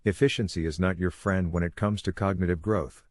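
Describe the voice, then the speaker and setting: A man's voice: sits low, fairly even intonation, a little fast, a little mellow, no room sound. A man reading scripted exam practice passages aloud as a narrator.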